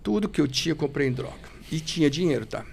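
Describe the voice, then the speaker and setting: A man with a fairly high voice and a gravelly, crackling edge tells his testimony as a podcast guest. He speaks fervently in a preachy way and keeps turning to the listener as brother. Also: animated, quick pace, darkish tone. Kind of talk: emotional testimony.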